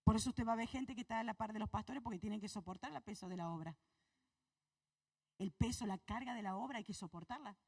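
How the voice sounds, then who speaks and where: A woman pastor with an Argentine accent preaching a sermon to her congregation, asking questions and swinging between soft and loud. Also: medium pitch, fast, breathy edge, dry recording, distant mic. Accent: Argentine Spanish. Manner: preaches to the congregation with rhetorical questions, voice rising and falling. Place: church hall.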